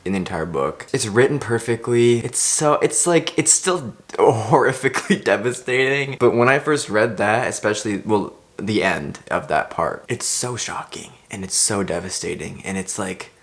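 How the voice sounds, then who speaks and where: A man's voice: on the low side, moderate pace, hardly any pauses, fairly bright tone. A man chatting casually in a book vlog, thinking aloud and often repeating himself as he rambles. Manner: hesitant, repeats words and phrases while thinking aloud; casually sweary. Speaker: vlogger reviewing a book.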